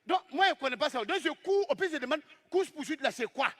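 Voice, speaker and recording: On stage, a stand-up comedian tells a comic story, lively and exclaiming as he acts out each scene. His voice is very high and he talks fast.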